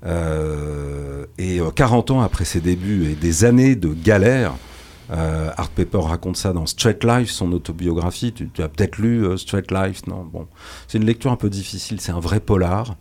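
Deep-voiced hesitant radio host man. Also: darkish tone. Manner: halting, many fillers and restarts. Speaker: radio jazz show host. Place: radio studio.

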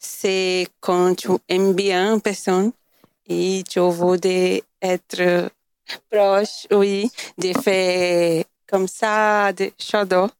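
A woman from Brazil, whose first language is Portuguese, speaking slowly and searching for words. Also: medium pitch, flat delivery, clean tone, no echo. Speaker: language learner. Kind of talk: casual sharing.

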